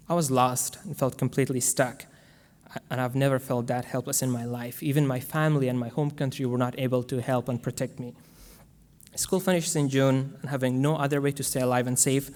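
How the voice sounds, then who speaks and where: A young man from Afghanistan, giving an earnest, measured prepared speech as guest speaker to a school audience. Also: mid-range voice, steady tone, darkish tone. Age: young adult. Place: large school hall. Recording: long hall reverb.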